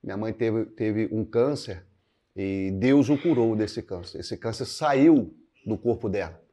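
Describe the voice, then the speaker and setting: A man in his sixties from Minas Gerais, a pastor, answering interview questions to camera in an unhurried, reflective way, hunting for words and often adding tag questions, recorded with a lapel mic in a living room. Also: lowish voice, mellow. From Minas Gerais, Brazil. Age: 60s. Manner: unhurried, searching for words, frequent "né" fillers, gestures with both hands. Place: indoors, living room with paintings. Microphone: clip-on lapel mic.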